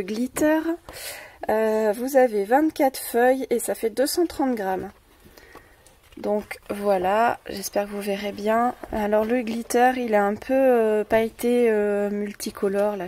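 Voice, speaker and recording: A woman's voice: mid-range voice, a little slow, mellow. A woman with a French accent hosting a scrapbooking video, talking in a hesitant way with many fillers and repeated words. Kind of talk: casual show-and-tell of a craft haul. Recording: distant mic with faint noise.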